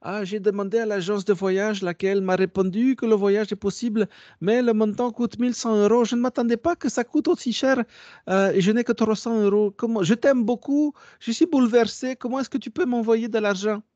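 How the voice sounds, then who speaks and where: A man's voice: high voice, steady tone, brisk, a little mellow, dry recording, voice pushed up, natural voice. A man voicing a sweet-talking female online romance scammer in a put-on Russian accent, pleading and syrupy, on a dull lo-fi recording.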